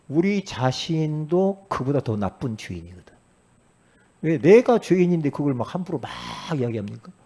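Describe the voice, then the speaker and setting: A male pastor delivers a sermon in a husky voice that swings widely in pitch. He talks casually to the congregation and then surges up into loud emphatic pleas. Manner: emphatic, conversational preaching with sudden loud rises.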